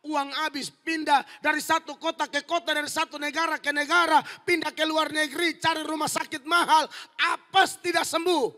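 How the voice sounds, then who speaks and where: A man preaching a fiery sermon as pastor, forceful and humorous, sometimes rising to shouts. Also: extremely high pitch, flat delivery, moderate pace. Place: large indoor church hall. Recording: long hall reverb in large church.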